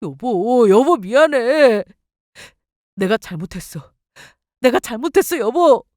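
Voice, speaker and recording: A woman's voice: high-pitched, very animated, normal speed, no echo, studio quality, pitched above the performer's own voice. A woman playing a begging husband. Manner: pleading, tearful. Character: cornered husband, begging forgiveness.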